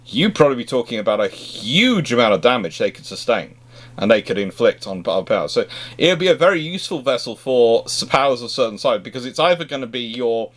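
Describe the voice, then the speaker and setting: A man's voice: medium pitch, lively intonation, fast talker. A man giving expert commentary in a naval history discussion, often reworking his phrases as he goes.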